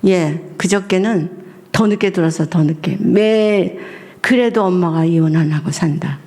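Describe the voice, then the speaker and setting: A woman's voice: lowish voice, moderate pace, dark tone, voice pushed down, lightly acted. Woman doing a nagging, blunt mother. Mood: grumbling. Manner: blunt, scolding. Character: nagging middle-aged Korean mother, scolding.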